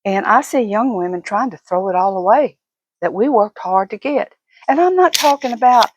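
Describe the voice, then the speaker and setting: Older lady vlogging, slow talker, kinda fussing and folksy, opinionated, dry sound no echo. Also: a little high, darkish tone. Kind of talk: casual opinionated monologue.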